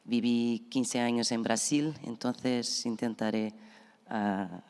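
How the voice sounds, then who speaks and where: A woman from Portugal, a native Portuguese speaker, gives a conference talk in a Portuguese accent, slowly and carefully, with hesitant restarts. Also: rumbling low, fairly even intonation, darkish tone, smooth. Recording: reverberant conference hall.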